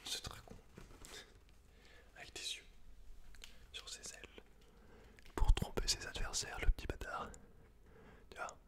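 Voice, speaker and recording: A man hosting ASMR in a breathy, unvoiced whisper, intimate and informal as he speaks directly to the listener. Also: a little slow, pauses often, bright, forceful tone. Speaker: ASMR video host. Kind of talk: whispered ASMR, reading a book aloud with casual asides.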